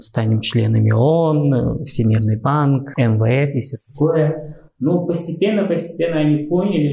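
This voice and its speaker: In a dark, mid-range voice, a man from Uzbekistan reflects aloud during an interview, explaining things haltingly in conversational Russian with a Central Asian accent. The audio quality is poor.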